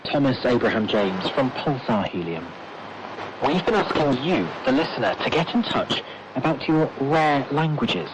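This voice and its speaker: Lively male radio presenter on noisy shortwave. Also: medium pitch, moderate pace. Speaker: radio news presenter and interviewer. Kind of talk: broadcast news magazine presenting.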